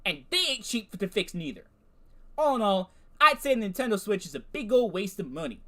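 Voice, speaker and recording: A man's voice: sing-song, moderate pace. A man putting on a grumpy backwoods hillbilly voice, ranting in a folksy drawl. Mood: grumbling. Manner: folksy drawling rant, high and loud. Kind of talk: comedic reading of a chatbot's text.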